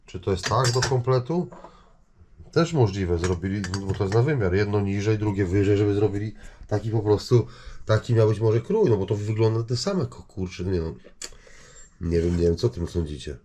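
A man giving casual, rambling vlog commentary, halting and repeating himself as he addresses viewers. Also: lowish voice, animated, warm tone, a little hiss or hum. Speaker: vlogger showing finds from discarded junk.

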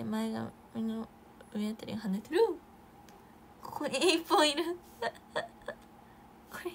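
A young Japanese idol woman chatting casually on a live stream, reading viewer comments with bursts of excitement and soft asides. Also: a little high, gravelly, a little hiss or hum.

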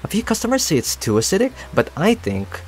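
A man playing a friendly, talkative cafe owner in a roleplay audio, speaking to the listener in a chatty, rambling, gently attentive way. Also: sits high, wildly swooping pitch, a little fast, slight background noise. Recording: soft music and rain behind. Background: music and rain sounds.

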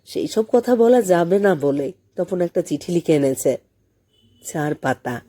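A woman reading a story as an audiobook narrator, in an expressive scripted style. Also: on the low side, unhurried.

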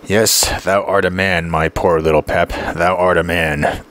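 A man's voice: deep voice, steady tone, measured pace, fairly bright tone. A man doing a stern anxious mother. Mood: tender. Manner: firm, commanding, urgent. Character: stern anxious peasant mother, middle-aged.

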